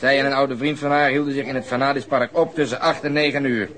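An actor playing a crude, surly police detective in a radio drama, curt and sarcastic. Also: male voice, medium pitch, fairly even intonation, fast talker, fairly bright tone, lightly acted. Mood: sarcastic, irritated.

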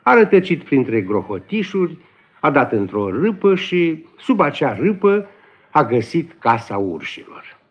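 A man narrates a folk tale in a homely, lilting voice that sits a bit high and moves lively. The recording is dull and lo-fi, with faint guitar and fiddle music behind him. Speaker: storyteller.

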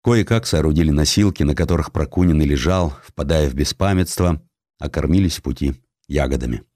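A man reading historical sketches as an audiobook narrator, in an expressive, deliberate, dramatic storytelling style. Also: a bass voice, no echo, clean studio sound.

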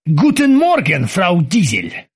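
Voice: medium pitch, huge pitch swings, slow pace, slightly rough, exaggerated voice. A narrator voicing a blustering ship captain who interrogates in broken mock-German, bossy and barking. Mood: bossy interrogating. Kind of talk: audiobook character voice.

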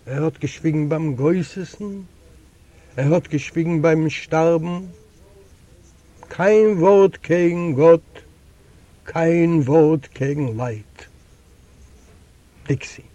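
A man reads a literary story aloud, slow and measured, with a solemn storyteller's weight. His voice is high but dark and mellow in tone. The sound is dry and close, recorded in a library's recording room. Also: no echo, dull audio. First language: Yiddish. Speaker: audiobook reader. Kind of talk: literary audiobook narration.

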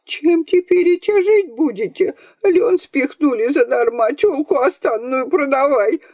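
A woman reading aloud, voicing a shrill old village grandmother who scolds and wails. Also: lively intonation, unhurried, a little mellow, dry recording, lo-fi sound. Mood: scolding. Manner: shrill scolding and sing-song lamenting.

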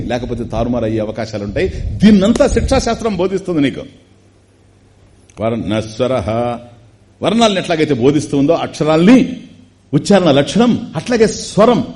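A man giving a religious discourse, chanting Sanskrit terms slowly and explaining them in conversational speech with laughs and asides. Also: medium pitch, dark tone. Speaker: spiritual teacher giving a discourse. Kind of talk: Telugu religious discourse on scripture.

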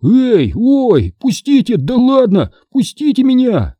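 A man's voice: very high voice, huge pitch swings, slow, mellow, slightly rough, dry recording, voice pushed up, exaggerated voice. A man doing a goofy prankster boy. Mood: protesting.

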